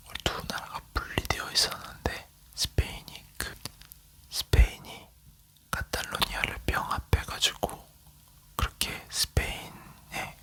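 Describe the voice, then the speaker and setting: Asmr person from south korea leaning in to whisper a casual travel story, all breath no voice, kinda crisp and bright. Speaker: ASMR creator.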